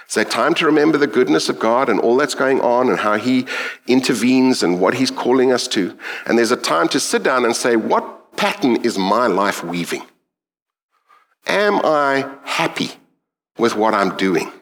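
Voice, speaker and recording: A middle-aged man with a South African accent delivers a sermon. He speaks earnestly and reflectively, pausing to think. His pitch swings widely across phrases. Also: animated, vocal fry, fairly bright tone. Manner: reflective, earnest, with thoughtful pauses. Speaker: preacher.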